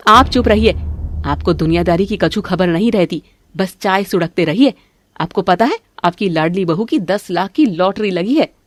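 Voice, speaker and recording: A greedy, bossy mother-in-law in a family cartoon, scolding and plotting revenge in a lively, swinging voice, as a woman plays her. She grumbles and mutters schemes under her breath. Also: on the low side, normal speed. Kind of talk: animated cartoon voice acting.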